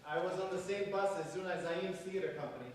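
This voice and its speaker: Guy playing lovesick sad poet in a stage play, highish voice, super echoey hall. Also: fast talker, close to an everyday voice. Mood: reserved. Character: melancholy, lovesick male poet back in his hometown. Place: theater stage. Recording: echoey hall, distant mic, faint noise.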